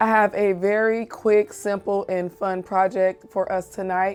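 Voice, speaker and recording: Music plays in the background as a woman talks. She has a medium pitch and a fairly slow pace. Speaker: embroidery coach. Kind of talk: tutorial.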